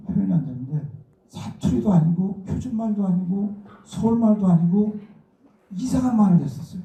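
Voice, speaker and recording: A middle-aged man with a Daegu accent speaks as a guest lecturer, telling personal stories in a conversational way. His voice is very dark, sitting a little high for a man. It comes through from a distance in an echoey room. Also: lo-fi sound. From Daegu, South Korea. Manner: conversational, acts out remembered dialogue. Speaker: guest lecturer, stage actor. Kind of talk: informal lecture with personal storytelling.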